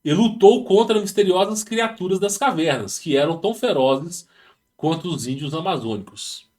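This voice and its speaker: A man's voice: high voice, lively intonation, moderate pace, darkish tone. A man with a Brazilian Portuguese accent hosting his channel, reading a text aloud and breaking off into rambling, slangy asides with many restarts. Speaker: channel host. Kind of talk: casual talk reading and commenting on a text. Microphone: home setup with rural internet.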